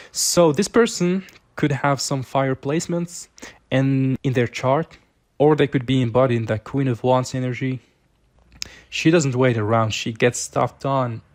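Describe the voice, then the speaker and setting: A man with a mid-pitched voice reads tarot cards for his listener. He talks casually and conversationally, explaining each card as host and thinking aloud as he goes. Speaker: tarot reader, channel host.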